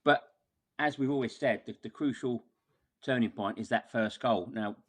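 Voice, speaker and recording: A man's voice: medium pitch, moderate pace. A man talking casually through a football match as a podcast guest, wordy and exasperated, often repeating words as he goes.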